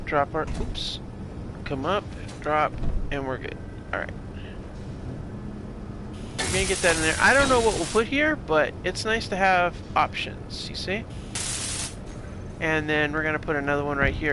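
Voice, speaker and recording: A man's voice: on the high side, animated, measured pace, long pauses, noisy background. A congested man with a nasal sound, casually thinking aloud and muttering as he plays a game. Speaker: let's play gamer. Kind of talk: casual gameplay commentary.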